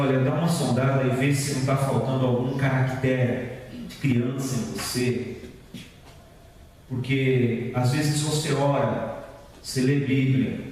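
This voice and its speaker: Brazilian pastor in an echoey church hall. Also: male voice, mid-range voice, far from the mic, a little hiss or hum. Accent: Brazilian Portuguese. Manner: lively, joking with the congregation, acts out quotes. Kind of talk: sermon.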